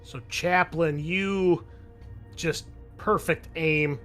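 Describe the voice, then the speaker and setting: A man's voice: a little high, steady tone, very slow, a bit bright, faint music behind. A man running a tabletop roleplaying game as game master, narrating scenes vividly to his players.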